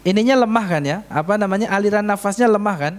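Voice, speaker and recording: Seorang pria beraksen Indonesia mengajar tajwid di masjid, sering bertanya kepada jamaah dan mencontohkan bacaan Arab perlahan. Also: male voice, high-pitched. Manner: questions the audience often, demonstrates Arabic sounds slowly. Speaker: Quran recitation teacher. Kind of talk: tajwid lesson with live recitation examples. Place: mosque prayer hall.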